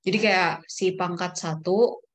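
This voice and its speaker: A woman's voice: fairly low pitch, measured pace. A woman teaching math in a casual online lesson, thinking aloud and checking herself as she works through formulas. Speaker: olympiad math tutor.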